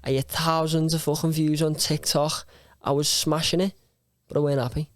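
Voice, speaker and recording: A man's voice: fairly high pitch, little pitch movement, normal speed, dry recording, clean studio sound. A young man with a Scouse accent from Liverpool talks as a guest on a casual podcast, slangy, emphatic and sweary. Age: young adult.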